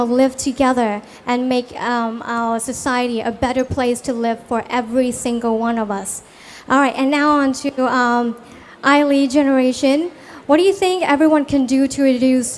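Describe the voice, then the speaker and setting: Moderator: woman, slightly higher pitch, agreeable, emphatic. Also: fairly even intonation, moderate pace. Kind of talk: panel moderation.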